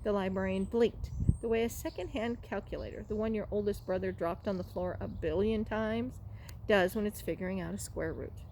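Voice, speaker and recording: A woman's voice: mid-range voice, steady tone, normal speed. A woman reading a children's storybook aloud, now and then stumbling over a word and rereading it. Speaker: library read-aloud reader. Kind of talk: storybook read-aloud narration. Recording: clearly noisy room recording.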